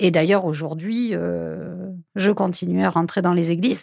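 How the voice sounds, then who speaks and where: Using a normal speaking voice, a woman talks fairly slowly at a fairly low pitch. The recording is very clean, with a silent background. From Lot, southwest France. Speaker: hostel owner and cook. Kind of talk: interview. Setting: at her hostel.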